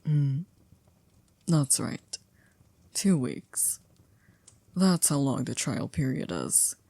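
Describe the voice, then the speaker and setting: Casting: woman as unflappable formal servant of a vampire house, very low mellow voice, dry ASMR delivery. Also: sing-song, vocal fry, no room sound, exaggerated voice. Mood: calm, reassuring. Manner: polite, measured, gently wry. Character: composed, formal, dryly teasing female household servant. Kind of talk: ASMR roleplay acting.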